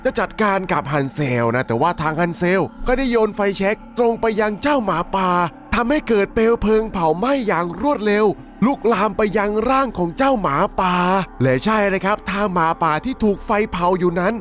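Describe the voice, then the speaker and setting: A man's voice: high-pitched, animated, brisk, hardly any pauses, a bit bright, faint music behind. A man narrating a dramatic horror story recap, conversationally and politely addressing his listeners as he goes. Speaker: storyteller, channel host.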